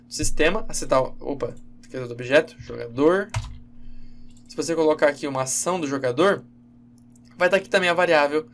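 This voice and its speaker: A man giving a casual, halting screen-recorded programming lesson, with many fillers and self-corrections. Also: on the high side, slight background noise. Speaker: game development instructor.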